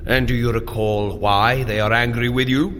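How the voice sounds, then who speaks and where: A man's voice: mid-range voice, fairly even intonation, moderate pace, a bit bright, a little hiss or hum, lightly acted. A man playing a proud warrior thunder god in an audio drama, with formal, archaic phrasing and a dryly teasing manner. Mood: amused. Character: gruff, proud god of thunder, adult warrior, wryly exasperated.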